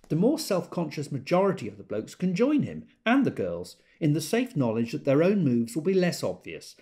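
A man's voice: on the high side, darkish tone. An actor playing a wry gay man who tells of a party in an observant, dramatised literary monologue. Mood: wry, bitter.

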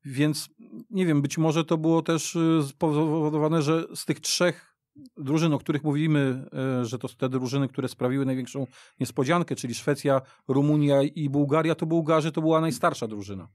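A man's voice: on the high side, fairly even intonation, normal speed, darkish tone, no echo. A man talking football as a radio studio guest, searching for words and often restarting his sentences as he goes on at length. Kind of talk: casual sports discussion.

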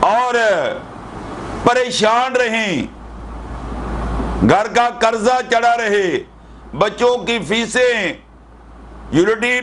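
A man's voice: very high-pitched, fairly bright tone. A middle-aged male pastor, preaching fervently with repeated hallelujahs, on a headset mic indoors. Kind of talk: sermon. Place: indoor room with curtains.

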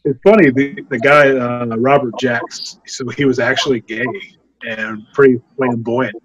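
A man's voice: mid-range voice, a little slow, lo-fi sound, a little hiss or hum. A man in his thirties co-hosting a horror podcast, reviewing a film in a loose, rambling way and laughing often, over a desk mic on a video call from home. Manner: rambling, laughing, animated when amused. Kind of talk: casual film review chat. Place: home room.

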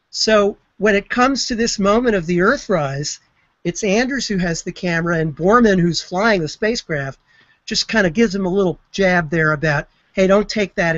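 A man who studies spaceflight history retells an event with lively enthusiasm in an online video chat. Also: high voice, no echo. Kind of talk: storytelling explanation. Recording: slightly muffled web broadcast.

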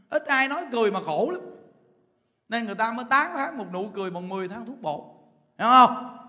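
A man's voice: very high voice, fairly bright tone, big-room sound. A man with a Southern Vietnamese accent giving a Buddhist dharma talk, firing rhetorical questions at the audience, chuckling and drawing out words for emphasis. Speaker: Buddhist preacher. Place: temple hall.

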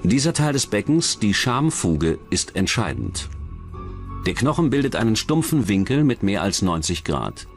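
Male narrator for scripted crime documentary, animated delivery, low register. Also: moderate pace. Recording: music bed under the voice.

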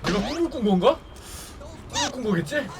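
Excitable high-voiced male game commentator. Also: a little fast, background noise. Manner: excitable, yelps and panicky reactions. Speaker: gaming video host. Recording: music playing under the voice. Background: background music.

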